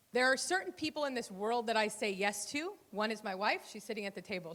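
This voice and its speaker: A woman speaks in an energetic tone at a very fast pace with ordinary pitch variation, over noticeable background noise. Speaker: motivational speaker. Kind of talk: keynote talk. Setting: stage with audience. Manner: loud.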